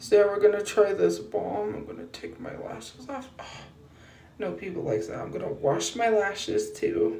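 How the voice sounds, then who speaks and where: Soft-spoken yet with big swings in loudness, a woman talks at a moderate pace amid noticeable background noise and audible room echo. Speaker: social media creator. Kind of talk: makeup tutorial. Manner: casual, halting.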